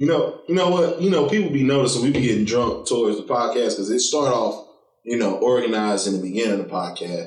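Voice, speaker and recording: Talking at a very fast pace, this man sounds somewhat breathy and has lively intonation. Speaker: podcast host. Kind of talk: casual chat. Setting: studio.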